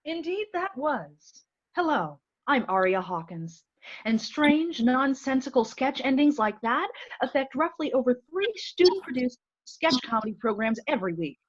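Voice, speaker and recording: A woman performs a solemn public-service spokeswoman with a high-pitched voice that swings expressively. Her delivery is measured and absurdly earnest, as in a comedy sketch, on a dull home recording. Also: expressive. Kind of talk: mock public-service announcement.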